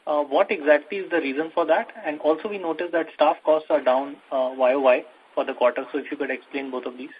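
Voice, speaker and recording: A man's voice: fairly high pitch, steady tone, quick pace, slight background noise. A man with an Indian accent politely putting questions as a financial analyst on an earnings call. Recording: dull, muffled phone line.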